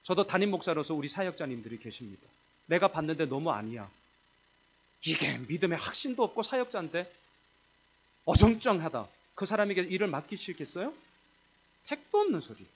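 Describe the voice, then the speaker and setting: Emphatic Korean pastor preaching a sermon. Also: male voice, a little high, dull audio. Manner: emphatic, rhetorical questions, swings between loud and hushed. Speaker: senior pastor. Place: church sanctuary.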